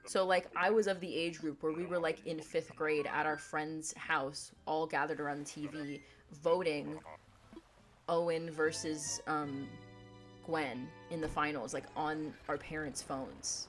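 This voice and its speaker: A young woman with a deep voice chatting casually on a gaming livestream, rambling in a playful, laid-back way. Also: fairly even intonation, measured pace, soft background music. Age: young adult.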